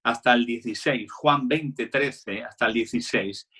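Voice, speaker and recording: Husky-voiced male pastor preaching. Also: medium pitch, unhurried, bright, forceful tone. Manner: earnest preaching, retelling Bible scenes with quoted dialogue. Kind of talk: sermon.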